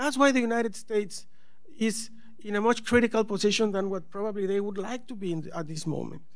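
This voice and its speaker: A man speaks with a Spanish accent at a high pitch. His pitch varies in an ordinary way. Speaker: panelist on Latin American politics. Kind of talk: panel discussion. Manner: halting, many repetitions.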